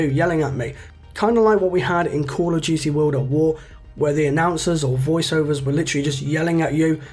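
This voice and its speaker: Husky young man chatting about a game. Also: fairly high pitch, a little mellow. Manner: chatty, many fillers like "you know" and "like". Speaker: gaming YouTuber. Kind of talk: casual game commentary.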